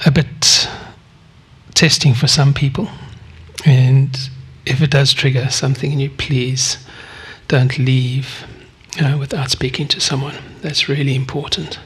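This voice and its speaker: A man in his fifties from South Africa, preaching a sermon and sharing a personal testimony in an earnest, vulnerable way with frequent pauses. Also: medium pitch, husky. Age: 50s. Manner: earnest, vulnerable, often pausing.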